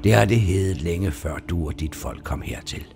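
Rompul, a man voicing a calm cunning demon. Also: deep voice, vocal fry. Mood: riddling. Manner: measured, riddling, quietly menacing. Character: ancient male demon of the land, calm and cunning. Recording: music playing underneath.

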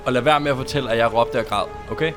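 A man playing a tabletop game who reacts excitably, yelping and pleading in character. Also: medium pitch, over music. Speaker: player.

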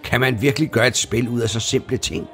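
A man voicing a proud, greedy, hot-tempered male ruler who talks haughtily and is quick to shout, in a storybook reading. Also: mid-range voice, vocal fry, voice pushed up. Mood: haughty. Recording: music playing underneath.

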